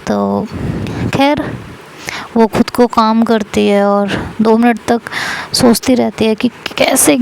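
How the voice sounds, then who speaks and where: A woman narrating a romance story in a relaxed, repetitive way. Her voice sits a little high and has a gravelly rasp. A faint hiss runs under the recording. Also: slow pace, long pauses, poor audio. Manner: casual, repeated phrases.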